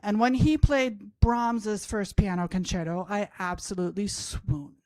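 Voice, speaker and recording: A woman's voice: medium pitch, steady tone, unhurried, a little mellow, dry recording. A woman in her fifties from Austria, a language professor telling a humorous personal story on stage to an audience, wry and self-mocking. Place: college event stage before an audience.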